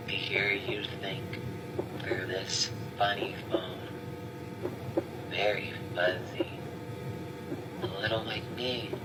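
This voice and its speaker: A man voicing an eerie, teasing male puppet who speaks haltingly and deliberately over a fuzzy telephone line. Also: lowish voice. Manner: halting, deliberate, stilted spelled-out laugh. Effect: old telephone. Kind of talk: eerie in-character monologue to the listener. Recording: very noisy, fuzzy phone line.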